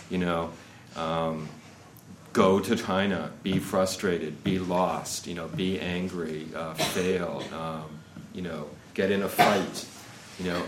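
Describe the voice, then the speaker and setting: A man in his fifties speaking at an informal seminar, rambling and peppering his talk with "you know" and "right". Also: low-pitched. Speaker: guest speaker on investment. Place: seminar room. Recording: echoey room with faint noise.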